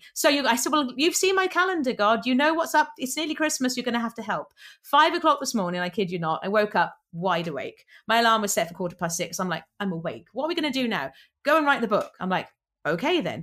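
With a Welsh accent, a woman speaks at a very fast pace in a bright, sharp, animated tone. Her fairly high pitch takes very wide swings on a very clean recording with a silent background. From Wales. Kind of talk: casual interview chat. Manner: animated, laughs often.

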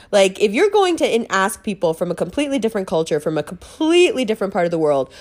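A woman speaks in a New York accent with an animated tone and lively intonation. The recording is very clean with a silent background. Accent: New York American. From New York, US. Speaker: podcast host. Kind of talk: casual monologue, solo podcast. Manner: animated, casual, profane.

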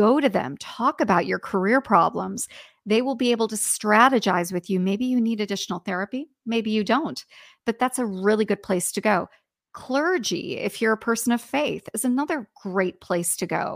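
In a normal speaking voice, a woman talks at a moderate pace with lively intonation and a fairly high pitch. The recording is very clean, with a silent background and a dry, close sound with no echo. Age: 40s. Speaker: author and HR speaker. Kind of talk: casual chat. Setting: live video stream.

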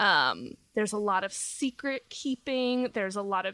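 With an American accent, the voice has a bright, sharp tone, ordinary pitch variation, and a dry, close sound with no echo. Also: woman. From New Jersey and Colorado. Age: 20s. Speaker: podcast co-host. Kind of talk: casual conversation about faith and attachment. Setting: remote recording with home mic setup.

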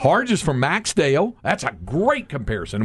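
Against a quiet background, a man with a Texan accent talks at a fairly quick pace. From Central Texas. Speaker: sports radio host. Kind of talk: casual chat.

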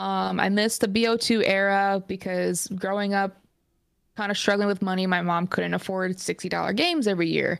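With an American accent, the speaker uses an ordinary speaking voice at a fairly quick pace and fairly even intonation, in a very clean recording with a silent background. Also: woman, medium pitch for a woman. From Arizona, Phoenix. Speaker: Twitch streamer and gaming content creator. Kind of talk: casual interview chat.

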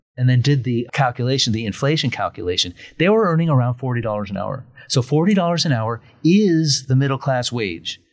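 A normal speaking voice with an American accent, lively intonation and a moderate pace. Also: man. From California, Ventura County. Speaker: newsletter editor and journalist. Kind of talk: interview.

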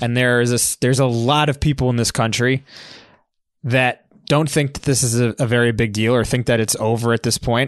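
Fairly quick, flat, monotone male voice at medium pitch with a New York accent, over a quiet background. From New York City. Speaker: podcast host and comedian. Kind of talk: casual chat and interview. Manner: self-deprecating, joking.

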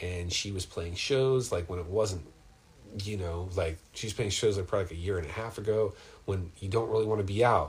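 With a very deep, low pitch and ordinary pitch variation, a man speaks in a somewhat breathy voice. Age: 40s. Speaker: podcast host. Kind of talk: casual chat.

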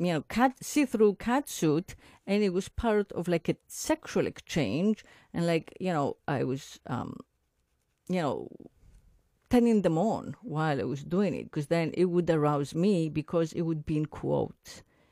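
In a Greek accent, a woman speaks at a fairly slow pace with a fairly low pitch and lively intonation. Her tone is dark and mellow, in a very clean, silent-background recording that sounds dry and close with no echo. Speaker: podcast host, sex writer. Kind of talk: casual conversation.

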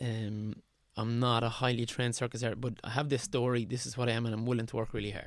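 With an Irish accent, a man talks at a very fast pace in a medium pitch, his intonation fairly even. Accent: Roscommon Irish, noticeable. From Roscommon, Ireland. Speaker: circus artist and aerial teacher. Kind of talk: casual interview chat. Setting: studio.

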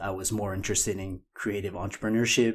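With an American accent, a man speaks at a fairly quick pace in a fairly low pitch, somewhat breathy and with monotone, flat intonation, on a very clean recording against a silent background. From Texas, Houston. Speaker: podcast host, physician. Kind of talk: solo podcast monologue.

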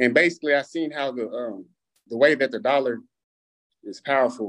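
Here a man speaks with a West Texas accent. His pace is fairly quick and his intonation fairly even. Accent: West Texas Southern US. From Texas, Snyder. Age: 20s. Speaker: cleaning business owner. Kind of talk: interview.

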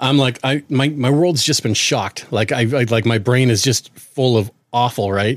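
A man with an unremarkable speaking voice talks at a moderate pace and medium pitch. His loudness is very even, his pitch variation ordinary, and he hardly pauses. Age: 40s. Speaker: podcast co-host, single dad. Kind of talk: casual chat.

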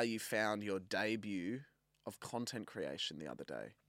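A man with an Australian accent and a bright, sharp tone, at a fairly slow pace, in a dry, close sound with no echo. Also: very clean recording, silent background. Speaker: podcast co-host. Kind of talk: casual chat. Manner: giggly.

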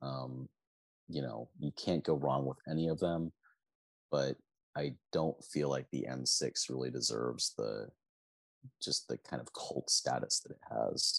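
A man with a very deep, low pitch and vocal fry speaks at a fairly slow pace with fairly even intonation. He leaves long, frequent pauses, and the sound is dry and close with no echo. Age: 20s. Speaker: camera repair technician. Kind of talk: interview. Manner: halting, many fillers and repeats.

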